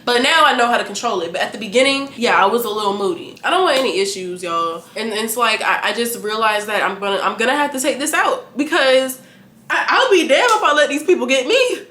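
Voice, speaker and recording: Young woman in her 20s, vlogger, bright voice, animated and frank, echoey room. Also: on the high side, brisk, slight background noise. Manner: animated, candid, laughing, profane. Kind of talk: casual chat to camera.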